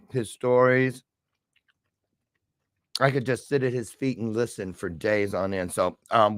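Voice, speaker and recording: A middle-aged man hosting a casual live-stream talk show, chatty and excitable, with self-deprecating jokes. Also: medium pitch, no echo, clean studio sound.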